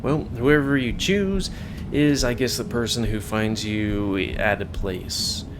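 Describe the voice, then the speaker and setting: A man's voice: medium pitch, takes it slowly, noisy background. A man giving casual, rambling commentary over a video game, with chatty asides.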